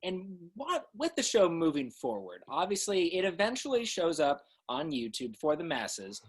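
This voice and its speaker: A young man with a husky voice, casually hosting an interview over a video call. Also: a little high, very animated, normal speed, noisy background. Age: young adult. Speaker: interview host. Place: small room at home, on video call.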